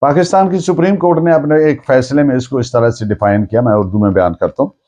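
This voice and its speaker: A man with a Pakistani accent lecturing on a legal text, deliberate, restating things in other words as he explains. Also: medium pitch, mellow. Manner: deliberate, explains by repeating and rephrasing. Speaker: law lecturer.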